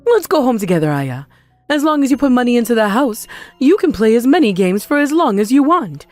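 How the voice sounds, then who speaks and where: A woman plays a smug, scheming middle-aged mom in a comic dub. She wheedles and gloats theatrically, with pitch that swings widely, over background music. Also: big pitch swings, brisk, darkish tone. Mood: wheedling.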